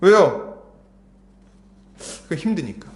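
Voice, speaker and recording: High-voiced man preaching in an echoey church. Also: very animated, drawn-out words, darkish tone. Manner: conversational preaching with rhetorical questions; grows urgent and raised in pitch. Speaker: pastor. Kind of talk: sermon. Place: church sanctuary.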